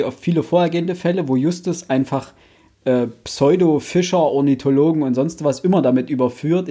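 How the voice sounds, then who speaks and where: A young man co-hosting a casual book podcast, talking in a playful, halting way and acting out examples. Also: medium pitch, mellow, breathy edge. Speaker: podcast co-host.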